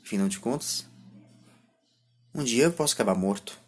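Brazilian male vlogger, 20s, husky mid-pitched voice, reflective and halting. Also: expressive. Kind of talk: reflective monologue to camera. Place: small indoor room lined with bookshelves. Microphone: phone or camera at arm's length.

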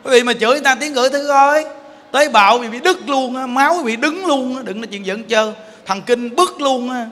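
Man, Southern Vietnamese accent, Buddhist sermon; high, bright, forceful delivery, jokey and questioning, long hall reverb. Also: a little fast. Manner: animated, joking, asks the audience questions. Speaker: Buddhist monk preaching.

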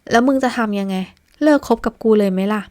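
A woman's voice: mid-range voice, steady tone, a little fast, warm tone, lightly acted. A woman voicing a young man who is the hero's close friend, talking curtly with casual swearing. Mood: heated. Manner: curt, swearing, heated.

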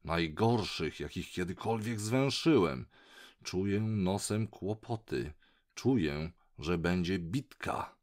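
A drowsy dog growls out his words low and slow , as a man puts him on for a storybook. The voice rumbles at an unhurried pace, with sudden lively swings. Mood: growling. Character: sleepy growling male dog.

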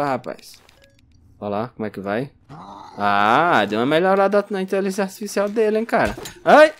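A medium-pitched male voice with a Brazilian Portuguese accent comes through with slight background noise. He's a gameplay streamer giving casual, excitable commentary, yelping and telling off the zombies.

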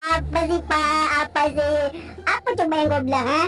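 Squeaky little heckler voice, guy putting it on, mocky and teasing, sounds kinda far off. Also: steady tone, normal speed, music in the background, a crowd in the background. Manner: mocking, teasing retorts.

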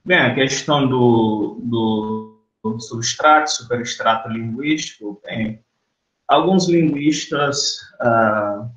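A man speaks haltingly over a video call, his audio breaking up and cutting out in choppy bursts. The sound is muffled and dull, with a roomy echo around his voice. He keeps searching for words as he answers a question from a panel. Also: mid-range voice, a bit bright. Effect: choppy audio cutting out over a bad connection.

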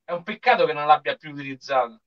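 A man's voice: on the high side, animated, quick pace. A man giving casual commentary in a group anime watch-along over a video call. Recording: dull, lo-fi video-call audio.

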